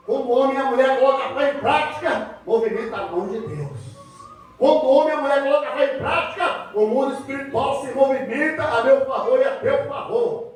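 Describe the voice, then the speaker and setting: A very high-pitched man with a Brazilian accent delivers a fervent church sermon. He builds emphasis through repetition and frequent hallelujahs. The sound is heavily echoing and picked up from a distance. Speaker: Pentecostal preacher. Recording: very echoey hall, distant microphone.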